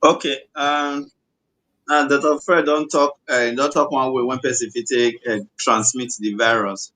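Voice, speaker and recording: A man with a West African accent teaches about health in Pidgin English at a middle pitch. His delivery is halting, with repeated phrases and little tags to check the listener follows. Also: fairly even intonation, bright, forceful tone, a little hiss or hum, low-quality recording. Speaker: medical doctor and co-host.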